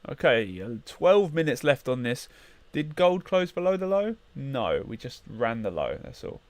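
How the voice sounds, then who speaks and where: A man's voice: mid-range voice, sing-song, unhurried, dry recording. A man hosting a casual live trading stream, chatting and muttering to himself as he checks charts. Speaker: livestream trading host.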